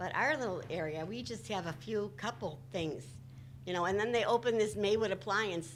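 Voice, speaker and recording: Loud speech at a moderate pace, full of very wide pitch swings, with audible room echo. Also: woman, medium pitch for a woman. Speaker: resident giving public comment. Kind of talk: public comment at meeting. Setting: village board meeting.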